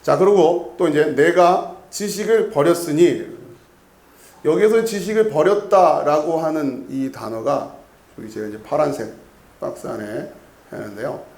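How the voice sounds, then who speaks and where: An unhurried male pastor with a higher voice, vocal fry, and a darkish tone preaches an expository sermon in an echoey sanctuary. He speaks conversationally, repeating key words and often turning questions to the congregation.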